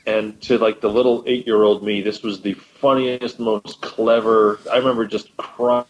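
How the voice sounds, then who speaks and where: A man who is a musician, a guest telling stories in animated casual chat. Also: lowish voice, moderate pace. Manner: animated storytelling. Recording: dull, lo-fi line.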